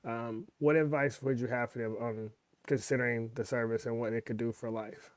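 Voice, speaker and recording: A man's voice: medium pitch, normal speed, no echo. Male podcast host, laid-back, encouraging, dry close recording. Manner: relaxed, slangy, encouraging. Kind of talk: casual interview questions.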